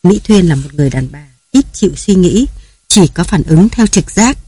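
A narrator reading a novel aloud in a steady, even storytelling manner. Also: medium pitch, moderate pace, breathy edge, dry recording. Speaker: audiobook narrator.

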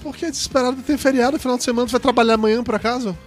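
A man with a very high voice hosts a casual live podcast chat from home. He jokes and teases his guests, with soft music underneath. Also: steady tone, very fast. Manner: joking, teasing. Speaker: podcast host reading superchats. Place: home, remote live call.

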